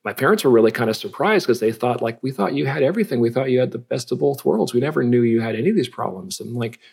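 A mid-range, darkish voice with a breathy edge and vocal fry belongs to a middle-aged Californian guest artist. He talks fast and expressively in a relaxed conversational interview. His tone is reflective and self-deprecating, with many restarts and fillers.

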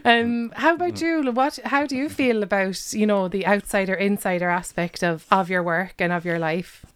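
A woman's voice: medium pitch, normal speed, clear, resonant tone. An Irish woman hosting a podcast interview, chatty with lots of filler words and supportive murmurs. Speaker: podcast host. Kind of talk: casual interview chat.

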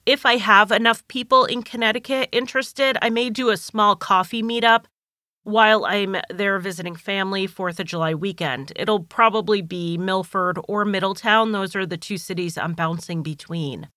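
A woman's voice: medium pitch, moderate pace, pushed and bright, no echo, clean studio sound. A woman hosting her podcast alone, chatting straight to listeners in an organized way, a little stuffy from a cold. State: recovering from a cold, slightly nasal. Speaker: podcast host. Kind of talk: casual solo podcast monologue.

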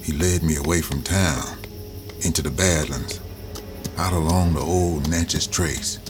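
A man's voice: a bass voice, unhurried, over music. A man giving reflective, scripted first-person narration in a storytelling drawl.

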